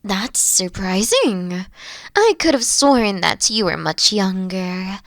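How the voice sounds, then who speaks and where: Tender, teasing young queen woman acting, mature beyond her years, very unhurried delivery, intimate dry sound, roleplay audio. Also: mid-range voice, animated, dry recording. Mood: warm, playful. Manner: slow, soft-spoken, drifting into breathy whispers. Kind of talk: scripted roleplay audio drama, intimate one-on-one.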